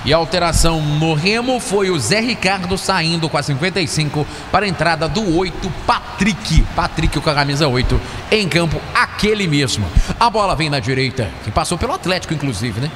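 A man with a Brazilian accent narrating a live football match on radio, fast and excited, shouting at the big plays. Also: on the high side, long reverb tail, noisy background. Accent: Brazilian Portuguese.

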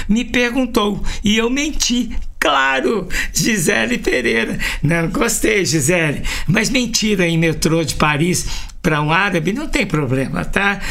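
A man's voice: high-pitched, a bit bright. A man with a Brazilian Portuguese accent hosting a radio show, chatty and joking as he reads listener messages aloud. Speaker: radio host.

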